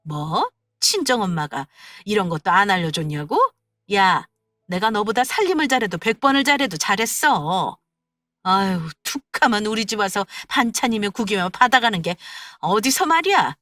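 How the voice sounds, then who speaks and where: A woman's voice: medium pitch, animated, normal speed, no room sound, studio quality, close to an everyday voice. A woman voicing an older mother in a story reading, who dotes on her son-in-law and scolds sharply when pushed. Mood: scolding. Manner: coaxing, then sharp and scolding.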